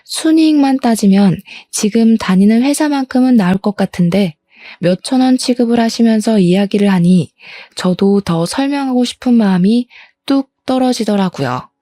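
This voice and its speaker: A woman's voice: on the high side, expressive, moderate pace, warm tone, no room sound. A young woman narrating her own story in a chatty, confiding first-person manner.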